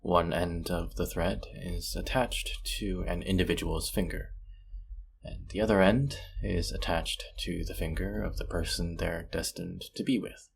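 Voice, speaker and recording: A man playing a sweet, smitten stranger in an intimate romantic audio roleplay, speaking softly and hesitantly in a husky, gravelly voice. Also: low voice, fairly even intonation, a little hiss or hum. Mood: gentle storytelling. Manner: soft, hesitant, tender, with pauses.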